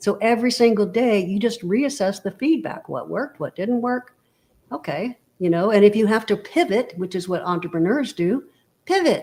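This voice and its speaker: With a plain, everyday voice, a woman of fairly high pitch speaks at a moderate pace with lively intonation. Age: 60s. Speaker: author and confidence speaker. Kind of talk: interview conversation on a livestream.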